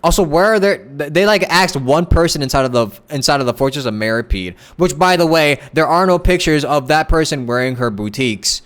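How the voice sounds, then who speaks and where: A man's voice: a little high, animated, brisk, few pauses, a bit bright. Casual, slangy male game streamer. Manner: slangy, stumbles while reading aloud. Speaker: game livestreamer. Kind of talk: casual reaction commentary and reading aloud.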